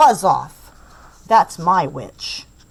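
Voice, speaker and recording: This put-on character voice sits at a middle pitch, croaky, shrill, and growling all at once. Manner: menacing, defiant.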